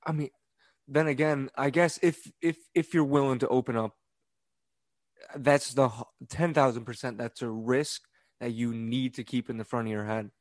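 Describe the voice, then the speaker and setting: A man's voice: medium pitch, fairly even intonation, moderate pace, no echo. Young man, podcast co-host, agreeable, speculative, casual, dry recording.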